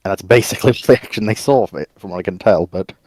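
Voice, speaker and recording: A man's voice: fairly low pitch, quick pace, darkish tone, dry recording. A man taking part in a casual history discussion, adding detail in an informative way.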